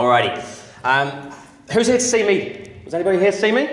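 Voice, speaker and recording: Energetic and very fast, a man speaks with very wide pitch swings. Room echo and noticeable background noise can be heard. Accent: Australian. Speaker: sales trainer and company CEO. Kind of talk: seminar stage address. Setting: stage with audience.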